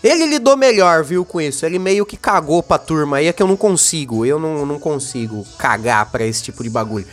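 Young brazilian guy ranting on his podcast, high voice, slangy and worked up, faint music under it. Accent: Brazilian Portuguese. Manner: heated, slangy, repeats himself when worked up. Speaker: podcast host. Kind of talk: casual solo podcast monologue.

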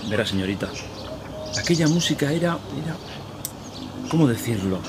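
A man playing a kindly, talkative park worker who speaks courteously and pauses to search for words. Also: mid-range voice, animated, noisy background, close to an everyday voice. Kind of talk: radio drama acting. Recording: outdoor park ambience with birds. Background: birds and outdoor ambience.

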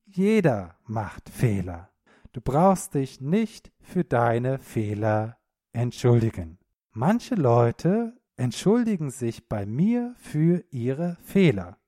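A man hosting a podcast lesson for German learners, speaking slowly and clearly in an encouraging tone, often checking in with a quick question. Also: mid-range voice, warm tone, no echo, clean studio sound. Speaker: podcast host and German teacher.

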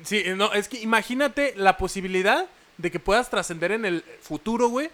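A man's voice: high-pitched, animated, a little fast, a bit bright. A man with a Mexican accent in a casual podcast chat, steering the talk and raising curious ideas. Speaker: podcast co-host.

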